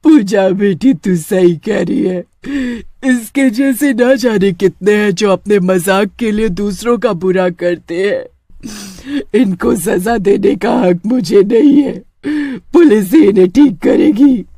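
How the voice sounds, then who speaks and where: A woman acting out a vengeful ghost witch for an animated horror tale. She cackles, threatens and shouts at children. The sound is dry and close, with no room. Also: medium pitch, measured pace, husky, no room sound. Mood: calm.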